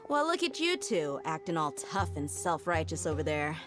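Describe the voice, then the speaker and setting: A woman's voice: low-pitched, very animated, moderate pace. An actress playing a brash, tough mercenary woman in an anime-style video game, blunt, sassy and confrontational. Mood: mocking, scolding. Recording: loud music behind.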